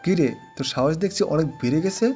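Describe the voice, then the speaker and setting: A man's voice: a little high, fairly quick, mellow, close to an everyday voice. A man playing a threatening, protective older-brother mafia boss in an audio story, speaking with commanding authority. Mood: menacing. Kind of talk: Bengali audio story voice acting. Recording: music under the voice.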